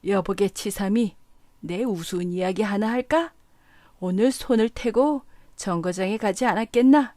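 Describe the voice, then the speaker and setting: Woman playing a drunk poor rickshaw puller, loud and boastful, cursing his friends; audiobook. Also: medium pitch, moderate pace, no room sound, close to an everyday voice. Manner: bellowing, cursing, slurring boasts.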